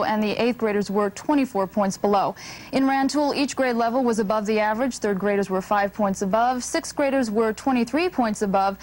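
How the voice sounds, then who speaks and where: A woman with an American accent reading a scripted local newscast in a measured, formal anchor's delivery. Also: mid-range voice, a little mellow. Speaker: TV news anchor. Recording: old TV broadcast with background noise.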